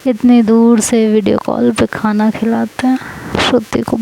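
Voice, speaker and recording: A woman's voice: fairly high pitch, little pitch movement, a little slow, gravelly, dark tone, a little hiss or hum, low-quality recording. A woman storyteller narrating an audio love story in a casual, chatty way. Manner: chatty, informal retelling.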